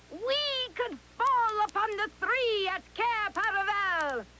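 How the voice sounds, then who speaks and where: This is a cartoonish character voice at an extremely high pitch. It moves at a fairly slow pace, with clear background noise. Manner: imperious, scornful.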